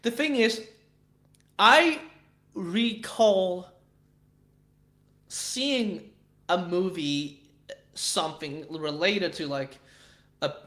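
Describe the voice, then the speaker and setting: A man's voice: sits high, drawn-out words, pauses often, pushed and bright. A man with a Swedish accent chatting casually with viewers on a livestream, rambling and swearing, with frequent restarts. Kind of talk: casual chat.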